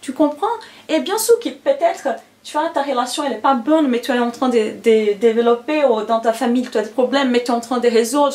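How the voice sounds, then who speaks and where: High-pitched woman with a non-native accent, at a moderate pace with ordinary pitch variation, over noticeable background noise. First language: not French (speaking French). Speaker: lifestyle vlogger. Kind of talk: motivational vlog monologue. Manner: hesitant, many fillers.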